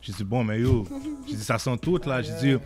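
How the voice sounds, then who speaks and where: A young man with a Québécois French accent tells a story casually as a podcast guest, speaking briskly in a mid-range voice over soft background music. He's animated and keeps asking "tu comprends?"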